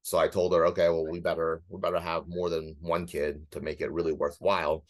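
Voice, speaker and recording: A man in his thirties with a very low-pitched voice tells his own story in casual conversation. He is matter-of-fact and dryly self-deprecating, like a guest laying out his career path. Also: flat delivery, fairly quick. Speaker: guest, former corporate lawyer.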